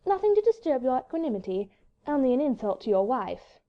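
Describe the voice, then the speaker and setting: Woman playing a high, merry, teasing society lady. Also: very animated, moderate pace, muffled recording. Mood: forced gaiety. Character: merry, teasing, witty English baronet's wife.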